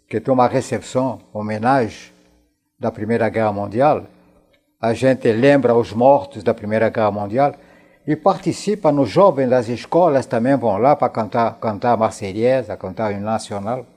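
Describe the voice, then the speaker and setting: Elderly French man, halting and mellow. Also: medium pitch. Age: 90s. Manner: halting, repeats words and phrases. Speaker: interview guest, war veteran. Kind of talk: conversational recollection in a television interview.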